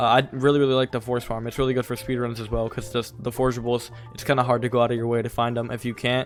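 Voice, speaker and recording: A man speaks very fast in a monotone, flat delivery. Music runs behind him. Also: medium pitch for a man. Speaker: gaming YouTuber. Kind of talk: casual gameplay commentary. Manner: casual, relaxed.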